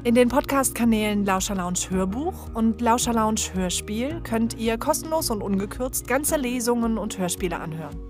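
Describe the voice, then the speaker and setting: A woman's voice: fairly high pitch, lively intonation, moderate pace, few pauses. A woman co-hosting a podcast, reading the scripted outro in a friendly way. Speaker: podcast co-host. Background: music.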